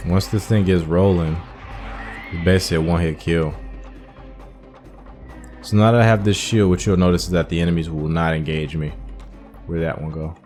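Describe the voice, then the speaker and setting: A man's voice: deep voice, steady tone, moderate pace, long pauses, darkish tone. A man giving casual gameplay commentary, thinking aloud and explaining each step as he goes. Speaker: gaming host. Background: game audio with faint music.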